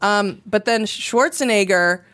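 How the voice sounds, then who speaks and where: A woman's voice: mid-range voice, a little slow, fairly bright tone. Woman co-host, casual comedic chat, laughs a lot. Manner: laughs often, reads tweets aloud. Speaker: podcast co-host.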